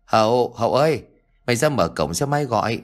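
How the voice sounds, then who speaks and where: A man's voice: on the low side, big pitch swings, a little fast. A man voicing a harsh, domineering older village chief who barks orders at his servants, in a told ghost story. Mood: commanding. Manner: barking orders.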